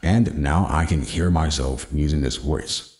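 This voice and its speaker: A man voicing a deep male narrator character through an AI voice changer, explaining software in a measured way. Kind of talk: software tutorial demonstration.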